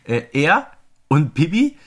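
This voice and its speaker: A man's voice: a little high, big pitch swings, takes it slowly, a bit bright. A man co-hosting a podcast in casual, enthusiastic chat, telling things emphatically with plenty of rhetorical questions. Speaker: podcast co-host.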